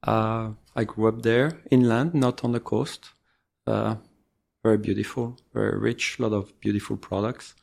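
A man's voice: fairly low pitch, steady tone, a little slow, vocal fry, darkish tone. A man from Normandy with a French accent, a pastry chef answering interview questions with many hesitations. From France, Normandy. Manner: hesitant, many filler sounds. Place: venue on a city pier.

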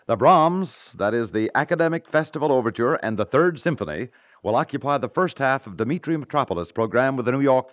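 A man working as a 1950s radio network announcer, reading a scripted promo with polished, measured delivery. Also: mid-range voice, no echo. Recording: dull, dry 1950s radio recording.

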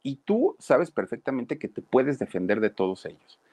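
A man's voice: medium pitch, very animated, moderate pace, darkish tone, breathy edge. A man telling it as a stern, determined mother. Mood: firm, pained. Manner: firm and insistent. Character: stern determined mother, middle-aged woman.

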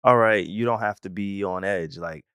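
A man's voice: fairly low pitch, normal speed, fairly bright tone, smooth, no room sound. A man with an African American accent hosting a podcast in casual, slangy talk, repeating phrases for emphasis. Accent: African American English. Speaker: podcast host.

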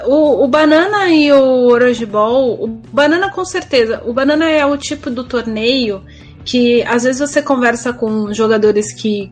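Female Brazilian podcast commentator, conversational sports talk, fairly high voice, light music behind.

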